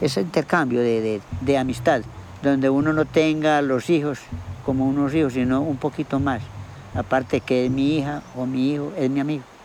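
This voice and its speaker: The man's intonation stays fairly even at a medium pitch, his pace moderate against noticeable background noise. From Colombia, rural Antioquia (Gómez Plata). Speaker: farmer. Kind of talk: interview storytelling.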